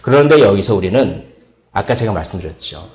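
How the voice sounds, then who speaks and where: A man from South Korea preaching a sermon as pastor, telling the story in a lively way and acting out the characters' dialogue. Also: fairly low pitch, a little fast. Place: church sanctuary.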